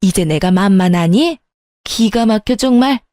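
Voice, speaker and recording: A woman's voice: mid-range voice, expressive, mellow, no room sound, clean studio sound, close to an everyday voice. Woman doing a scolding mother-in-law. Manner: curt, scolding, drawn-out commands. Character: bossy scolding middle-aged mother-in-law.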